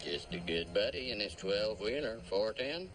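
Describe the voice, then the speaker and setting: A man's voice: on the low side, animated, normal speed, fairly bright tone, faint music behind. An actor playing a male trucker who talks in folksy CB slang over a radio transmission.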